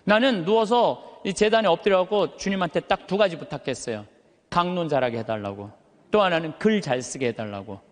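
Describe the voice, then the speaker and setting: A man preaches as a Catholic priest in a high-pitched but full, thick voice. His delivery is very animated, swinging widely in pitch and stressing single words for effect. The sound rings with the long reverb of a large hall. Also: brisk. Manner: emphatic, uses rhetorical questions and stretched words for effect. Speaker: Catholic priest giving a lecture. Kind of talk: animated motivational sermon to a live audience. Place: large hall, speaking to an audience.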